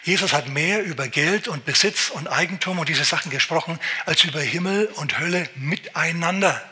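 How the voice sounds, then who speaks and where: A male pastor preaching a sermon, lively and addressing the listener directly with questions. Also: on the high side, normal speed. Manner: lively, exclaiming, talks straight to the listener.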